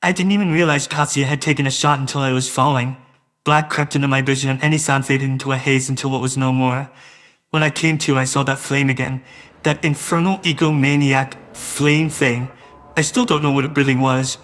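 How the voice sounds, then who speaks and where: A man's voice: medium pitch, steady tone, fairly quick, fairly bright tone. A man narrating a first-person audio drama in a wistful, doting way that grows uneasy.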